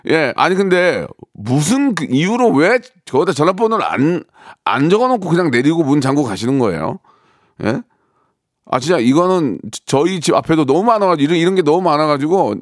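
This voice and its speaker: Male radio DJ, high and animated, hamming up mock anger; dry studio sound with faint music bed. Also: no echo. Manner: playful, mock-angry outbursts reading listener stories. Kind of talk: live radio show hosting.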